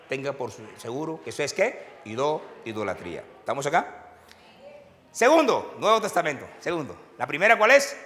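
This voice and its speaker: A male pastor, preaching a sermon and quizzing the congregation, chuckling now and then. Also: on the high side. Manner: animated preaching with call-and-response questions. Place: church sanctuary. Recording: reverberant church hall.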